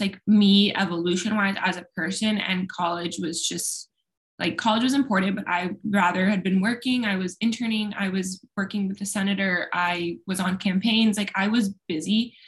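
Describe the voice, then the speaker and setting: A woman's voice: medium pitch, a bit bright. A young woman whose first language is Spanish, chatting casually about her college years with lots of fillers. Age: young adult. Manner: chatty, rambling with many fillers. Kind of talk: casual chat.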